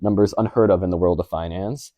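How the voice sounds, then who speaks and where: A man's voice: low-pitched, steady tone, fast, mellow, no room sound. A man interviewing a business founder, asking long, wordy questions with plenty of setup.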